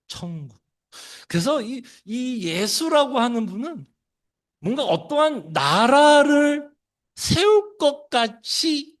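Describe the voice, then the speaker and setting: A man's voice: high voice, a bit bright. A male pastor preaching a sermon, putting many questions to the congregation and acting out the disciples' lines.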